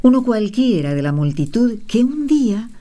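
An actress playing a pious, patient mother in a radio drama, gently chiding with an Argentine accent. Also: fairly high pitch, sing-song, normal speed. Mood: reproving, earnest. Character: patient, pious, reproving mother of a grown son.

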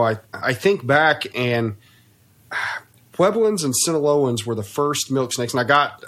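A man's voice: medium pitch, a bit bright. A man hosting a casual podcast conversation who talks in an easygoing way, full of "you know". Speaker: podcast host and shop owner.

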